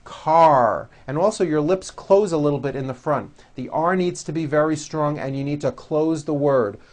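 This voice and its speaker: A man teaching English pronunciation, modeling words and sentences slowly and deliberately for learners to repeat. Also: fairly high pitch, darkish tone. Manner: slow, deliberate, over-articulated model words. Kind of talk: pronunciation drill lesson.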